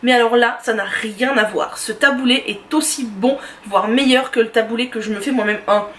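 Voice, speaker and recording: A woman vlogger enthusiastically reviewing her favorite products in a chatty, casual way, often pausing with "euh". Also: fairly high pitch, a bit bright, a little hiss or hum. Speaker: beauty and lifestyle vlogger. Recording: voice distant from the mic.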